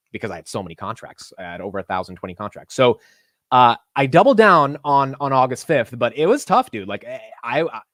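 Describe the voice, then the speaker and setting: Fast-talking young man, dry close sound. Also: no room sound. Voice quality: deep voice. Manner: animated, says "dude" and "like" a lot. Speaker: host of a live market stream. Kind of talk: casual livestream chat.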